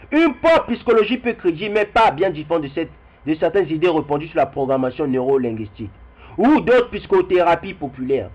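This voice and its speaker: Young guy, high voice, rambling video talk to his viewers, repeats himself a lot, muffled lo-fi sound. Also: breathy edge. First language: Kikongo heritage language. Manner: rambling, repeats words, addresses viewers directly. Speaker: video commentator. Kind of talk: spoken video commentary with readings. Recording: dull lo-fi recording.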